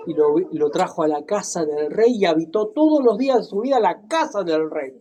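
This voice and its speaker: A man preaching a sermon, speaking deliberately and checking in with his listeners, then reading scripture with dramatic emphasis. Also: sits high, big pitch swings, warm tone. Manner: deliberate, tag questions, dramatic Bible reading.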